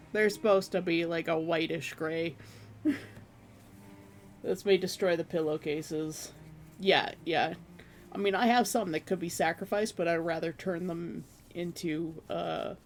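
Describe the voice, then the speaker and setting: A streamer chatting casually with viewers from their room at home, rambling and laughing at themselves, with a hoarse voice that is giving out. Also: medium pitch, measured pace, long pauses, soft background music. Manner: rambling, self-deprecating, laughs often. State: hoarse, losing voice.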